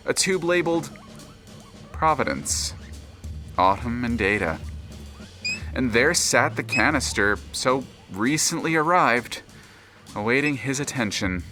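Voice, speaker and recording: A man playing the storyteller of an audio drama, narrating in a deliberate, dry, literary manner. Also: medium pitch, animated, pushed and bright. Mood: measured. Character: measured, dry omniscient male storyteller. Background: music.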